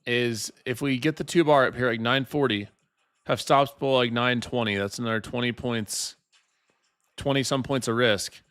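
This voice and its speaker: A man's voice: mid-range voice, moderate pace, fairly bright tone. A man in his late twenties chatting casually with his live-stream viewers while trading, teasing them and laughing often. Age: 20s.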